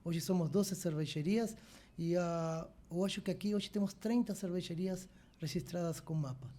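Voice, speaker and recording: A man with an Argentine accent, a brewery owner speaking as a podcast guest, halting and often pausing to search for his words. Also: high voice, dark tone. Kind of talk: podcast interview.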